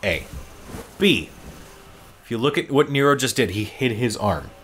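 A man giving casual, explanatory gameplay commentary, haltingly, as he plays. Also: medium pitch, animated, fairly bright tone, slight background noise. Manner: explanatory, halting while playing. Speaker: gaming show co-host and player.

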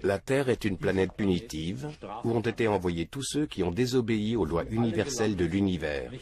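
A man's voice: lowish voice, animated, normal speed, a crowd in the background. An older man answering interview questions in a matter-of-fact, earnest way, seated in a small room. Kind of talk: documentary interview. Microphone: film crew mic off camera.

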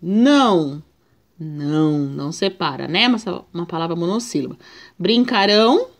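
A woman's voice: fairly low pitch, moderate pace, vocal fry. A Brazilian woman teaching a remote reading lesson to young children, patiently drawing out each syllable. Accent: Brazilian Portuguese. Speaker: primary school teacher.

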